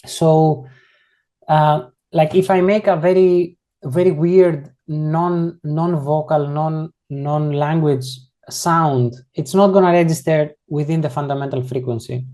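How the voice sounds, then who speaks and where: A soft, mellow-toned instructor leads an online coding tutorial over a computer microphone. The delivery is casual and explanatory, walking through each step while often restarting and correcting sentences. The pitch sits in an ordinary middle range. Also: fairly even intonation, takes it slowly. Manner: frequently rephrases and corrects itself mid-sentence.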